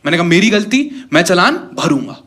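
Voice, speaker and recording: A man doing stand-up comedy, telling animated stories and talking directly to the audience, switching freely into English phrases. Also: high voice, brisk. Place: comedy show with a live audience. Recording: stage mic with crowd laughing. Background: audience laughter.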